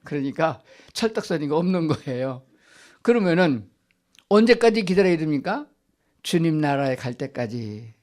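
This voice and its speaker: Older man, pastor, Sunday sermon, church sanctuary, rhetorical questions answered himself, slightly high voice. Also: very animated, normal speed, darkish tone.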